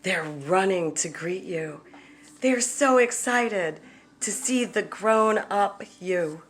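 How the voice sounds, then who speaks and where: A woman leading a guided visualization, speaking gently and deliberately with long pauses and some softly breathed phrases. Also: medium pitch, expressive. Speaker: guided meditation leader. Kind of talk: guided visualization, soothing meditation narration.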